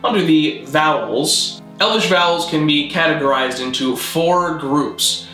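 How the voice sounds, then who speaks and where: A man hosting an educational video, narrating a scripted mock-academic lecture in a deadpan, didactic way. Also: on the high side, roomy sound, rough recording. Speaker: host, video essayist on constructed languages.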